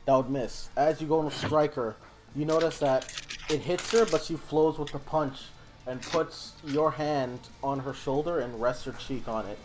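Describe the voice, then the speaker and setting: A man's voice: on the high side, moderate pace, over music. Man rambling as game master. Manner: rambling narration with many fillers. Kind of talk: narrating a tabletop game.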